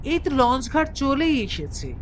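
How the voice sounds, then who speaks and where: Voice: sits high, big pitch swings, moderate pace, a little hiss or hum. An actor voicing a brave, devout twelve-year-old schoolboy in a cartoon, confident and reassuring. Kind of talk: cartoon dubbing. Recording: music bed behind voice.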